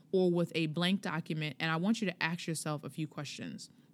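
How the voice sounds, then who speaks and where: A woman speaks in a New York accent at a fairly low pitch. The recording is very clean, with a silent background. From Long Island, New York. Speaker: podcast host, career coach. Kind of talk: solo podcast monologue. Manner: casual, conversational.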